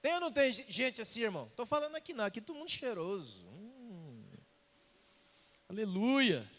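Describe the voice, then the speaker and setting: A man preaching a sermon, lively and conversational, acting out little dialogues and asking the congregation questions. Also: high-pitched, fast talker, big-room sound. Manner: animated, acts out quoted dialogue, asks congregation questions. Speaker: pastor. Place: church sanctuary.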